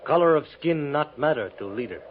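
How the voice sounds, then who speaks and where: An actor in a 1950s radio western playing a proud, guarded young Native American brave who speaks in terse, broken phrases. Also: male voice, on the high side, lively intonation, lightly acted. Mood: proud, solemn. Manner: slow halting broken speech, clipped phrases. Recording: muffled, noisy 1950s radio recording.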